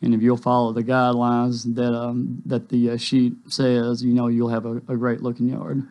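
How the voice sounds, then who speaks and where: A man's voice: medium pitch, monotone, moderate pace, mellow. A man, a rental store guest on a radio interview, answering politely and eagerly. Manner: polite, eager, says "yes, sir".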